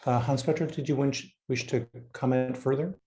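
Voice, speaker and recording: A man chairing an online forum over a video call, speaking in a measured way with frequent fillers. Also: medium pitch, fairly even intonation, mellow. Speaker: meeting chair.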